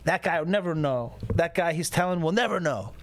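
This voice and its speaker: Animated man, slightly high voice. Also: a little fast, no echo. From Massachusetts. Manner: animated, acts out quoted exchanges. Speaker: podcast co-host, rapper. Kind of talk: casual podcast chat.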